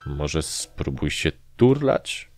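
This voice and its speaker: A glum sprite soldier who speaks slowly and sadly, read by a deep-voiced male narrator. His low tone carries no cheer. A storybook character who always sees the dull side. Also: soft background music, full character voice. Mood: gloomy. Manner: glum, flat.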